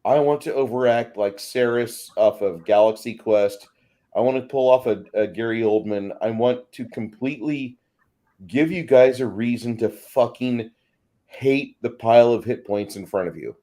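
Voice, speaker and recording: Mellow-voiced man, emphatic panelist. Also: medium pitch, normal speed. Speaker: discussion panelist. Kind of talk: casual panel discussion.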